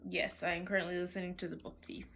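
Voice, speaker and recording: A woman with a bright, forceful voice answers quickly and cheerfully in a casual chat. Her tone is clear and upbeat. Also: fairly low pitch, little pitch movement, slight background noise. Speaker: guest knitter.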